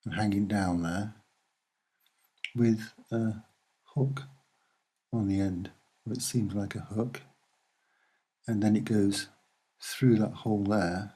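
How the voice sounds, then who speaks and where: A soft-spoken man giving a halting, unscripted commentary as he points things out, with frequent pauses. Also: lowish voice, steady tone, husky. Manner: hesitant, halting, with many pauses. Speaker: amateur video presenter.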